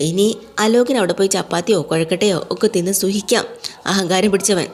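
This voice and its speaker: A woman's voice: mid-range voice, fast, darkish tone, slight background noise. A woman casually retelling a TV serial episode in a chatty way, with frequent tag words. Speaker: serial recap narrator. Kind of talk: casual spoken recap of a TV serial.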